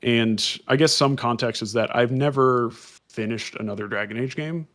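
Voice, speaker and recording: A man with a medium-pitched, fairly bright voice speaks at a normal pace. Co-hosting a podcast in a casual chat, he explains things at length in a rambling, filler-heavy way, with lots of "um"s and restarts.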